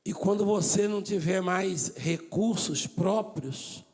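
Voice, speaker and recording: A Brazilian pastor preaching a sermon to his congregation, swinging from hushed talk to shouting and acting out dialogues. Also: high voice, slow. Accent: Brazilian Portuguese.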